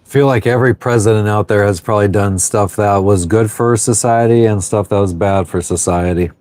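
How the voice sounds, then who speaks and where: A man's voice: on the low side, fairly even intonation, brisk, a little mellow, dry recording. Laid-back man chatting on a livestream. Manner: swears freely, chatty and offhand. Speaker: livestream host. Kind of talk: casual live chat reading viewer comments. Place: on an anchored sailboat.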